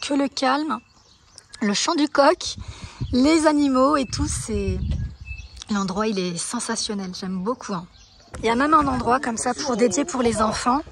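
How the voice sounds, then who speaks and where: A woman's voice: fairly high pitch, animated, a little slow, vocal fry. A woman vlogging casually to camera, chatty and enthusiastic, gushing over what she shows. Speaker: lifestyle vlogger. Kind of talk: casual vlog chat to camera. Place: outdoors at a countryside ranch. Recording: roomy echo, faint ambient noise.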